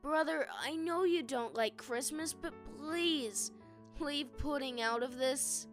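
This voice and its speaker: Woman voicing a high-pitched, earnest little brother. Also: slow pace, soft background music. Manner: pleading, earnest. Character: kindly, earnest, cheerful young boy, little brother. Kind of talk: fan audio drama acting.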